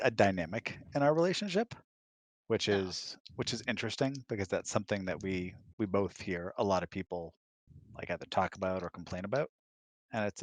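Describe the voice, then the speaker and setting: Man, casual explanatory guest, fairly low pitch, dry close recording. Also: dry recording. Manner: conversational, explanatory, checks with "right?". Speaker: guest, the host's husband. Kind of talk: casual chat, explaining opinions.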